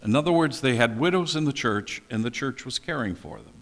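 Gravelly older pastor in a reverberant hall. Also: male voice, mid-range voice, lively intonation, fairly quick. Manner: conversational, asks and answers his own questions. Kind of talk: expository Bible teaching.

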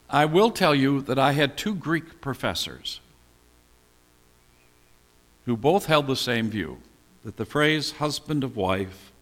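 An older man preaching as a pastor, teaching through a Bible passage in a conversational way and posing questions that he then answers himself. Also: mid-range voice. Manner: conversational, asks and answers his own questions. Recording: long hall reverb.

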